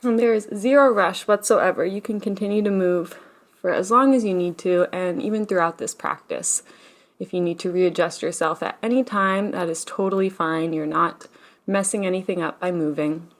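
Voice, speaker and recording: A woman leading a guided meditation as a teacher, speaking in a gentle, soothing, unhurried manner with long pauses. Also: fairly low pitch.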